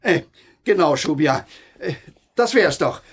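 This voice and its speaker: Husky, lively dad. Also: male voice, a little high, a little slow, exaggerated voice. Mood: cheerful, sheepish. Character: good-humoured middle-aged father, slightly sheepish. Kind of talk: children's audio drama acting.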